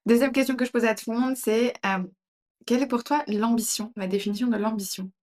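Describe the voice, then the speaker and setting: A woman's voice: on the high side, fairly quick, darkish tone. A woman hosting a podcast, asking interview questions in a friendly way. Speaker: podcast host.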